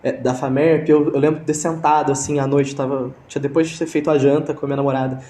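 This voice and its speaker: A man's voice: medium pitch, flat delivery, fast talker, dark tone. Hesitant Brazilian man in an echoey room. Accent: Brazilian Portuguese. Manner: hesitant, many restarts and fillers. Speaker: interview guest. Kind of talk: casual storytelling interview.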